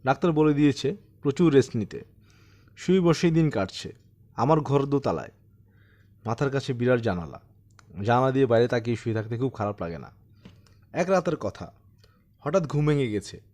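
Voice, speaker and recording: A man's voice: medium pitch, expressive, moderate pace, long pauses, a little mellow, close to an everyday voice. A man voicing a troubled man of sixty-seven in an audiobook, earnest, self-deprecating and insistent as he recounts something eerie. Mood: haunted, wondering. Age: 60s. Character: troubled 67-year-old man recounting his eerie haunting. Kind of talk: dramatised audiobook storytelling.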